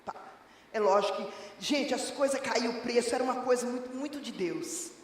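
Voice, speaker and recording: A woman's voice: on the high side, a little fast. A middle-aged woman pastor delivers a fervent Pentecostal sermon. Her voice rings with a long reverb through a large church hall and is caught from some distance. A faint room hum sits under it. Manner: fervent preaching that swells into shouting. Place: church sanctuary.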